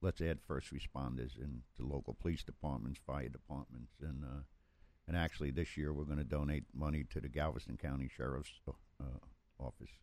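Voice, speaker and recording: A man with a New York accent speaks at a moderate pace. His very deep, low voice has vocal fry and a dark, mellow tone. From New York City. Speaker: charity founder and demolition contractor. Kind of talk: casual interview chat.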